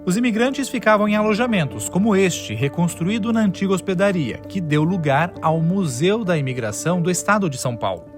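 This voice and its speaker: A man with a Brazilian Portuguese accent reading a scripted news report as a reporter, in a measured, formal way. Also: sits high, expressive. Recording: voice-over with music bed.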